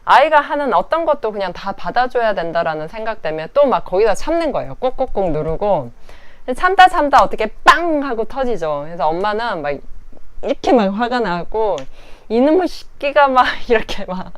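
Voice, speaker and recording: Lively woman giving parenting advice. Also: mid-range voice, a little fast. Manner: lively, acts out child and mother voices. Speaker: parenting counselor.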